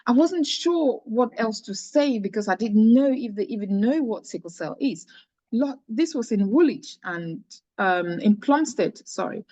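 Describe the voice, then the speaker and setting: A woman's voice: on the high side, expressive, a little slow, dark tone, dry recording, low-quality recording. A middle-aged woman from Cameroon, a charity founder earnestly telling her personal story in an interview, often restarting her phrases.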